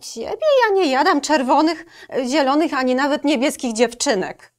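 A woman's voice: high voice, lively intonation, moderate pace, pitched above the performer's own voice. A woman voicing a timid, easily frightened male wolf in a children's storybook reading, anxious and hesitant. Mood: fearful.

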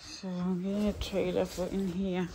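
A woman's voice: on the low side, level tone, moderate pace, dark tone, a little hiss or hum. A woman vlogger casually thinking aloud while filming a walkthrough of an empty house on her phone. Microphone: handheld phone camera.

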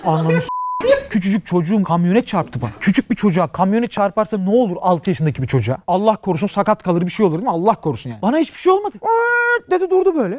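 Fast, high, animated male comic storyteller. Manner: animated, acts out voices of family and strangers. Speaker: comedian telling a childhood story. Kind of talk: comic storytelling on a talk show.

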